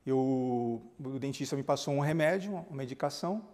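A man's voice: mid-range voice, brisk, in a large hall. A man, a pastor, telling his testimony in a TV interview, acting out quoted dialogue as he goes. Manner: animated storytelling, acts out quoted dialogue.

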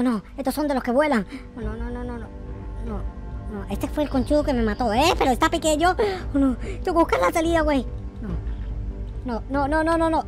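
A man playing a naive, panicky noob game character in excited, repetitive roleplay commentary. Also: very high voice. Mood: panicked, fed up. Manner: frantic, repetitive, exclamatory. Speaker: gaming video creator. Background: faint music.

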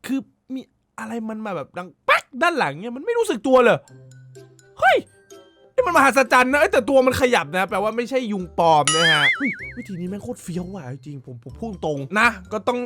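A man's voice: sits high, very animated, a little fast, over music. A male host casually reacting to viral clips, exclaiming often, swearing freely and laughing along.

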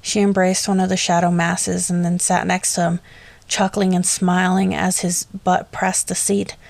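Woman, horror story narration, low voice, gravelly, measured and steady. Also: no room sound.

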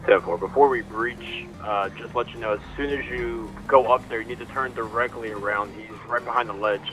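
Fast, flat-toned man on game radio chatter. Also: mid-range voice, poor audio. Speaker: player in police roleplay.

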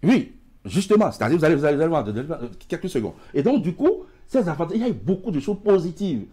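A middle-aged man with a West African French accent, appearing as an emigration expert guest in a TV studio interview, speaks fast in a rather high, mellow voice with a breathy edge and big swings in pitch. He gestures widely, stumbles over repeated words, and is recorded on a lapel mic.

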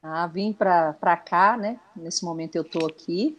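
A woman's voice: lowish voice, unhurried. A woman in her thirties with a Minas Gerais accent, a guest chatting enthusiastically over a video call from a small room. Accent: Minas Gerais Portuguese. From Brazil. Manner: chatty, enthusiastic, lots of fillers. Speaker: guest musician. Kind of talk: casual TV chat. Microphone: laptop video call.

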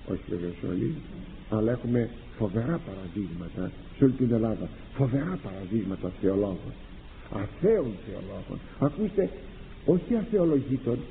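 Lively man preaching in an echoing hall. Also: medium pitch, gravelly, slight background noise. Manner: animated, rhetorical questions and acted-out dialogues. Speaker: priest and confessor. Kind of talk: sermon. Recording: tinny lo-fi archive recording in a reverberant hall.

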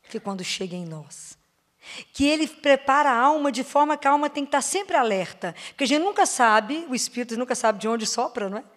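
A woman with a Brazilian Portuguese accent preaching a sermon to a parish prayer group. She asks her listeners questions, slows down on words she stresses and drops to a soft, low voice on key phrases. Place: church or parish hall.

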